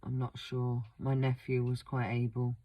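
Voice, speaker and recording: Croaky woman doing a wax seal craft video, flat and chatty, lots of ums. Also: extremely low pitch, measured pace. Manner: relaxed, chatty, many ums. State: croaky, sore throat. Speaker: craft channel host. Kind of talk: casual craft demonstration.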